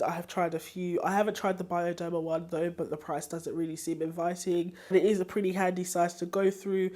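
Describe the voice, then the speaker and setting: A young woman, a bit nasal from a cold, chatting enthusiastically as she reviews beauty products she has used up. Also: lowish voice. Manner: chatty, enthusiastic, laughs often. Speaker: beauty vlogger. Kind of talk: casual product review chat.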